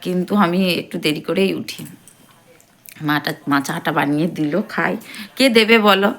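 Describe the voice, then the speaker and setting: A woman's voice: on the low side, moderate pace, fairly bright tone. Chatty middle-aged woman vlogging at home. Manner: chatty, teasing and affectionate, talking straight to viewers. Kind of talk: casual home vlog chat. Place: at home, bedroom and kitchen.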